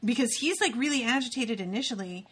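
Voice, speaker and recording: A woman's voice: on the high side, lively intonation, fast, a bit bright, a little hiss or hum. A woman co-hosting a podcast in casual chat, speaking candidly and swearing freely. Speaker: podcast co-host.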